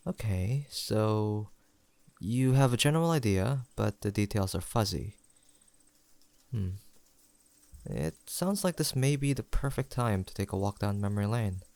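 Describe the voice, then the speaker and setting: A young man playing a sentimental, teasing longtime best friend in an intimate audio roleplay, pausing for an unheard listener. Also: on the low side, expressive, vocal fry, no room sound. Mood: nostalgic, fond. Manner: soft-hearted, playful banter with pauses for an unheard listener.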